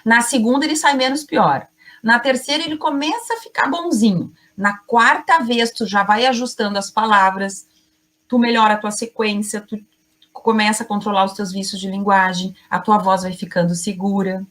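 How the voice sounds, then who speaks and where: Middle-aged woman, communication coach giving an online lesson, emphatic, mid-pitched, speaks in short measured phrases. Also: fairly even intonation, a bit bright. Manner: emphatic, addresses the audience directly and often; deliberate pauses between short phrases. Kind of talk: online class lecture.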